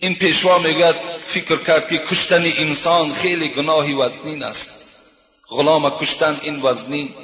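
A man preaching, his voice high-pitched and ringing bright. He retells moral stories in a sermon, tagging lines again and again with "he says." The sound is dull and lo-fi, with a long reverb from a large, echoey hall. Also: steady tone. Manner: retells tales, repeating "he says" often. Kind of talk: sermon with storytelling.

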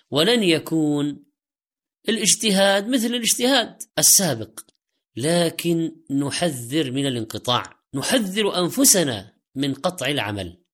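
A man's voice: medium pitch, sharp tone. A man delivering a religious sermon in formal standard Arabic, exhorting listeners with rhetorical questions and repeated direct appeals. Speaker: preacher.

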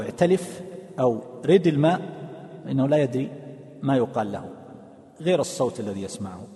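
A man teaching a religious lesson on scripture, explaining it step by step, asking his listeners questions and reading quotes slowly. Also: medium pitch, dark tone. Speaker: Quran tafsir teacher. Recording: long hall reverb.

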